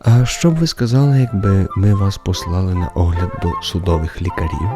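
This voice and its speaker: A man in a radio drama playing an elderly, kindly court interrogator who speaks with gentle, unctuous politeness. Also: sits low, a little fast, soft background music, lightly acted. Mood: sweetly solicitous.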